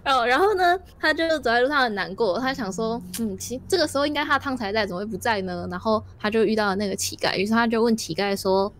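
A woman, a streamer improvising a story in a board game, giggly and animated. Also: a little high, fast talker, few pauses, slight background noise.

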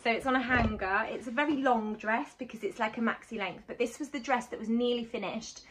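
A woman in her thirties talks through her sewing projects in a loose, rambling way, full of "um"s. Her voice sits a little high and carries a slight sore-throat roughness. She speaks to a camera at desk distance in a small home sewing room. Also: brisk, fairly bright tone, a little hiss or hum. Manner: chatty, rambling, many "um"s. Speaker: sewing vlogger and teacher. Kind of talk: chatty sewing catch-up vlog.

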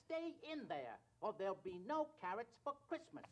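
A man's voice: high-pitched, very animated, normal speed. A man playing a grumpy, scheming magician who scolds children in an old cartoon special, blustering and theatrical. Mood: scolding. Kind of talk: old animated TV special villain acting. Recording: noisy film soundtrack playing on TV.

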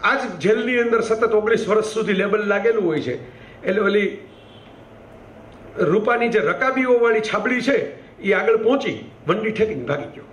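A man's voice: high-pitched, lively intonation, moderate pace, a bit bright, reverberant. A man tells a story in a conversational, digressive way, full of asides. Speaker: storyteller, speaker. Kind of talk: storytelling talk.

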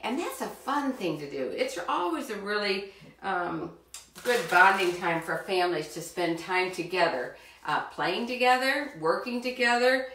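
A woman's voice: medium pitch, animated, a little slow, a bit bright, a little hiss or hum. Chatty woman in a roomy kitchen. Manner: chatty and encouraging, talks straight to kids. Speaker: cooking show host for children. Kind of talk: live cooking demonstration. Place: home kitchen. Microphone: far camera. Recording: roomy kitchen sound from a distance.

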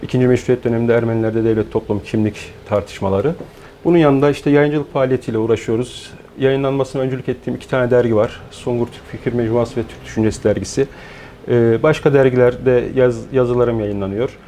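A man in his forties, born in Turkey, answering interview questions in a measured, explanatory way with frequent hesitant fillers. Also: mid-range voice, fairly even intonation, dark tone, a little hiss or hum. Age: 40s. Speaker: guest, founder of an online shop.

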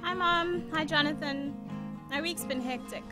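A caring young student daughter played by a woman in an audio drama. Her voice is high, chatty and concerned, with music clearly behind it. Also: a little slow.

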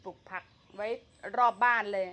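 A woman's voice: moderate pace, bright, forceful tone. A woman vlogging about her home vegetable garden, chatting casually and talking to herself as she works. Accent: Thai. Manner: chatty, talks to herself while working, frequent fillers and laughs. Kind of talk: casual gardening vlog narration.

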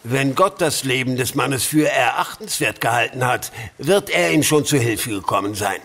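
A man's voice: mid-range voice, lively intonation, moderate pace, vocal fry, fairly bright tone. A man playing a stern, pompous Victorian uncle. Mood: cold, dismissive. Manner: pompous, commanding, strict. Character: stern, cold-hearted, pious Victorian uncle and guardian. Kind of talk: German audio drama acting.

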